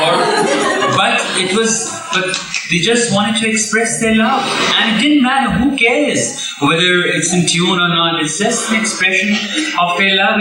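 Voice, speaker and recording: A man on a panel telling stories, hesitant with many pauses and chuckles, recorded from a distance in a hall. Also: high-pitched. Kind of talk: storytelling on a panel. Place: hall at a gathering. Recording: echoey distant archival hall recording with faint music.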